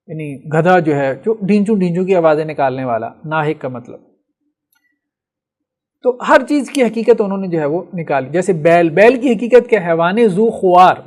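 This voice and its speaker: A man with a high, slightly mellow voice teaches logic to his class, patiently working through each point step by step. He poses questions and answers them himself, frequently checking with "theek hai" that students are keeping up.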